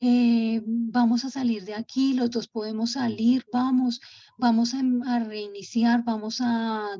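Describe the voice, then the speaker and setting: Storybook role: woman doing a contrite, pleading male spirit, slightly high, muffled sound. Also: little pitch movement, unhurried, warm tone. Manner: pleading, emotional. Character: remorseful male Roman governor spirit, begging forgiveness.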